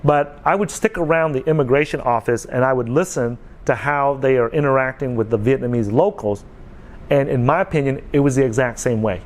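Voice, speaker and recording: Speaking fairly quickly in a mid-range voice, a forties-aged man from the United States addresses his viewers casually. He's earnest, tends to repeat himself, and keeps checking in with "okay."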